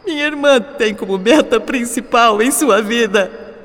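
A woman's voice: a little high, a little slow, a little hiss or hum, natural voice. An actress playing a young woman in love who tells her own story in a first-person radio drama monologue, later hurt by her sister's betrayal. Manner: wistful, emotional, shifting between joy and hurt. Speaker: radio drama narrator character. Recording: reverberant studio with music bed.

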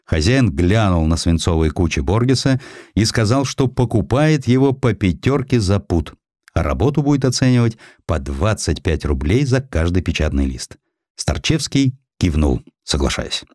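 A man with a deep voice narrates a literary audiobook. His delivery is expressive and theatrical, with a very varied melody. The sound is dry and close, with hardly any room in it. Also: moderate pace, no room sound. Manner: expressive storytelling with acted dialogue. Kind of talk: dramatized scripted narration.

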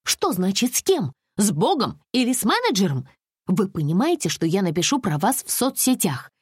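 A woman voicing a flighty, demanding woman of thirty, Alice, with a shrill, petulant manner. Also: big pitch swings, normal speed, a little mellow, dry recording, studio quality. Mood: indignant.

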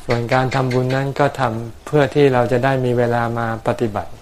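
A Buddhist monk calmly answering questions from his followers in plain words, with homely examples and touches of dry humor. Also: mid-range voice, fairly quick, a little hiss or hum. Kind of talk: dharma talk answering questions.

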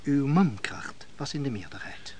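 An actor playing a calm, courteous host to a defeated lord in a radio play, measured, hushed and deferential. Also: male voice, medium pitch, in a whisper, natural voice. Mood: quiet, deferential. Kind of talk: Dutch radio play acting. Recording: noisy old radio play recording.

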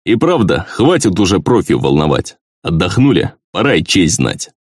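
Stern old gnome colonel, low and gruff, lively delivery, read by a man, audiobook. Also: normal speed, dry recording, clean studio sound, full character voice.

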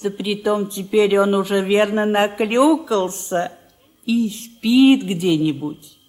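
An actress playing a kindly, pious old country housewife in a radio play, fretful and fussing. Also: female voice, medium pitch, slow, natural voice. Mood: anxious, hospitable. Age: older. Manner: fussing, gently scolding.

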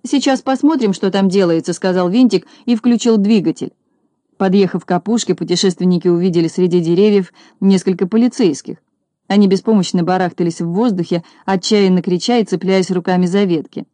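A woman narrating a children's storybook, steady and expressive. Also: lowish voice, fairly quick, no echo. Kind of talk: storybook reading.

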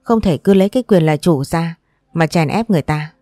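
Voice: medium pitch, animated, fairly quick, warm tone, no room sound, clean studio sound, natural voice. A storyteller voicing a strict mother-in-law who lectures firmly. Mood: stern. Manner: firm and lecturing.

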